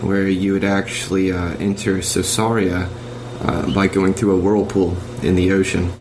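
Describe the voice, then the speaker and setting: Male panelist, very low voice, measured and halting, clearly noisy home recording. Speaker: podcast panelist. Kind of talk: casual analytical discussion. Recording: noisy hobby podcast with steady hum.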